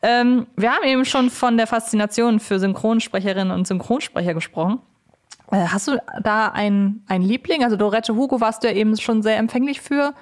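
A woman's voice: a little high, fairly even intonation, a little fast. A woman hosting a casual podcast interview in a chatty, conversational way. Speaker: podcast host.

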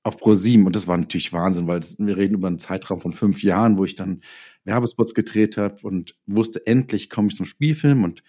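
A man as an interview guest, casually telling personal stories with hesitant pauses and a self-deprecating touch. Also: low-pitched, mellow, breathy edge. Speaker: interview guest, writer and director.

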